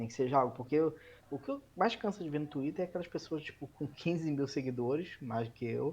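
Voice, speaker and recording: A somewhat breathy, fairly high male voice with ordinary pitch variation and a fairly quick pace. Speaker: podcast co-host. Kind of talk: casual chat. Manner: halting.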